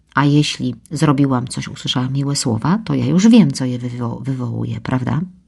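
A woman talks at a fairly quick pace. She leaves hardly any pauses. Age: 40s. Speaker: parenting and couples therapist, podcast host. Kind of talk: solo podcast monologue. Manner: conversational, direct address to listener.

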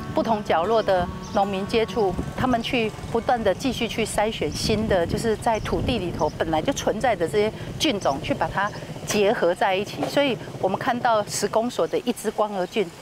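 Over music in the background, a woman talks at a moderate pace with ordinary pitch variation in a dry sound with no echo. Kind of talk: interview answer. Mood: calm, explanatory. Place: farm. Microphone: lapel.

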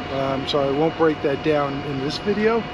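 There is loud noise in the background. Over it, a man talks. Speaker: travel vlogger. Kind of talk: casual vlog chat. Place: street. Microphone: phone near.

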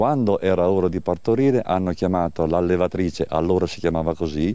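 With a very deep, low pitch and a dark, mellow tone, a man speaks at a fairly quick pace using lively intonation. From Carpegna, Marche, central Italy. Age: 60s. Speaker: local resident. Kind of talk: interview.

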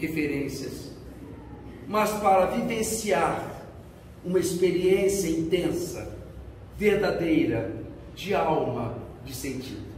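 A man talks very slowly at a high pitch with ordinary pitch variation. The room echo is audible, and there is light background noise. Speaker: lecturer. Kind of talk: spiritual lecture. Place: meeting room.

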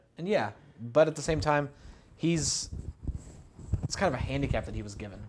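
With noticeable background noise, a man talks with vocal fry, lively intonation and big swings in loudness. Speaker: gaming channel co-host. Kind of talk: casual chat. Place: home room.

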